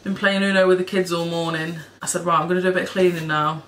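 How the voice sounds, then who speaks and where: Talking fast in a steady tone on the low side, this woman rambles to the camera in front of her at table height. She's a cleaning vlogger in her home kitchen, a bit hoarse with a froggy throat, who swears and laughs occasionally. The recording is echoey with background noise.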